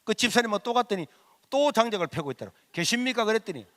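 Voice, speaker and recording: A middle-aged male pastor, telling a story in a sermon and acting out the dialogue, his voice swinging from loud to hushed. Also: sits high, animated, fast. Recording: long hall reverb.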